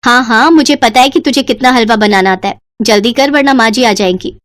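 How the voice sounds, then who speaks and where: A woman's voice: on the high side, fairly quick, fairly bright tone, no echo, close to an everyday voice. A woman voicing a kind young twin sister who reassures her sibling in a cartoon story. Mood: reassuring.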